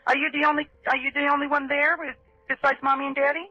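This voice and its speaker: A woman's voice: high voice, little pitch movement, quick pace, no room sound. Reassuring woman dispatcher on a muffled phone line. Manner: reassuring, uses endearments with a child. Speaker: emergency call dispatcher. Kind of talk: calming emergency phone questioning. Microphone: telephone.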